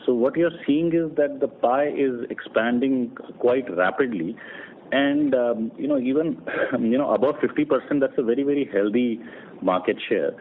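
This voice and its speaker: A man's voice: medium pitch, moderate pace. Man on a noisy, narrow phone line. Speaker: company executive answering analysts' questions. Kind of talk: earnings call question-and-answer, unscripted. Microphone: conference phone call.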